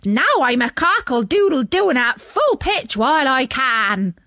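A woman's voice: high-pitched, big pitch swings, unhurried, bright, forceful tone, dry recording, clean studio sound, pitched above the performer's own voice, full character voice. A woman voicing a doomed farmyard cockerel in a children's story, indignant, emphatic and complaining. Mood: indignant, alarmed.

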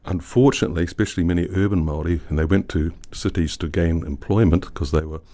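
Older New man, very deep voice. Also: fast, dark tone. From New Zealand. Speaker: guest poet. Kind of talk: podcast interview.

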